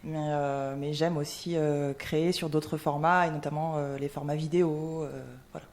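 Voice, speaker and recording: Low-voiced woman singer from Paris. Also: level tone, moderate pace. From Paris, France. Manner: hesitant, many fillers, soft-spoken. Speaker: singer-songwriter guest. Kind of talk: radio interview. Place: radio studio.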